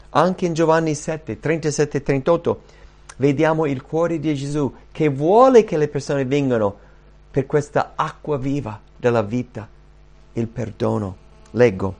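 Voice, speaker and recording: A male preacher delivering a sermon in an earnest, pleading way. His voice sits a little high for a man, and it lifts and slows whenever he quotes scripture. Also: a little mellow. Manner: earnest, rises and slows when quoting scripture.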